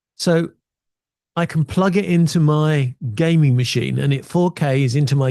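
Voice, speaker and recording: A man's somewhat breathy, fairly high voice with a dark, mellow tone, ordinary pitch variation, and a dry, close sound with no echo. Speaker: AV technology video host. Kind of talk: tutorial. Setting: small home studio.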